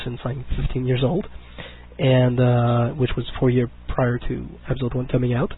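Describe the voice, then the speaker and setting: Over noticeable background noise, a man talks at a moderate pace in a medium pitch. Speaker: podcast host. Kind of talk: casual chat.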